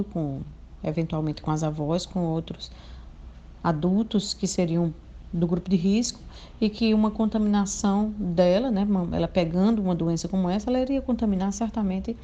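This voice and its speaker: Low, mellow-voiced Brazilian woman. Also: lo-fi sound. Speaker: interviewed parent. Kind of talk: spontaneous explanation.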